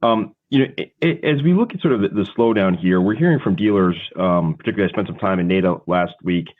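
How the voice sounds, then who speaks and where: A man working as a financial analyst, asking a halting, rambling question on a conference call. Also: low voice. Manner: halting, rambling, full of repeated words. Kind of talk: unscripted question on an earnings call. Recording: thin, band-limited phone line.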